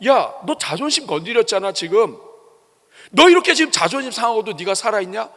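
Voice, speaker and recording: A man's voice: sits high, sing-song, brisk, fairly bright tone, long reverb tail, voice pushed up, heavily acted. A pastor voicing a taunting male devil, goading with mocking questions.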